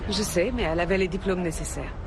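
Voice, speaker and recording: A woman's voice: lowish voice, quick pace, close to an everyday voice. An actress in a dubbed thriller playing a caring, proud middle-aged mother with a tender, earnest manner. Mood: serious, concerned. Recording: clear background noise.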